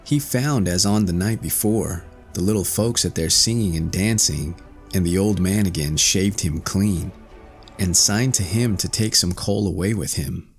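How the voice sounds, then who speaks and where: A man's voice: sits low, unhurried, faint music behind. A man reading a fairy tale as an audiobook narrator, in a scripted storytelling style.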